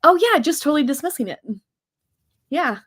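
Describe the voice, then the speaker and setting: High, lively woman co-host. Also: normal speed. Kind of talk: casual chat.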